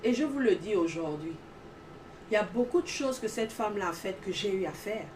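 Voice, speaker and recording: A woman speaks in an earnest testimony style, stacking emphatic repeated phrases. Her voice is mid-pitched and sits away from the microphone. A faint noise runs behind her. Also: animated, a little fast, a little mellow, far from the mic, poor audio. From Gabon.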